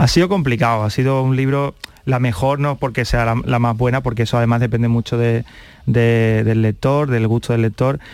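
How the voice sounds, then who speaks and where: In a normal speaking voice, a man talks at medium pitch and moderate pace with fairly even intonation and very even loudness. The recording is very clean, with a silent background. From Andalusia, Carmona (Seville). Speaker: novelist. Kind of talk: interview.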